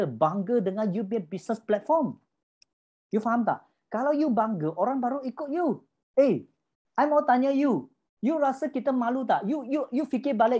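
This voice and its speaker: Emphatic woman, mellow voice. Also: medium pitch. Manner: emphatic, rhetorical questions, code-switching. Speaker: business mentor. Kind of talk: motivational talk.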